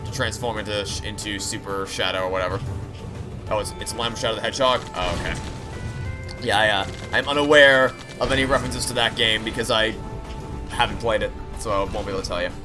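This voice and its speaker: A man's voice: lowish voice, quick pace. A man streaming a video game, chatting casually and rambling with dry sarcastic asides. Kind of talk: casual livestream chat and game commentary. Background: game music.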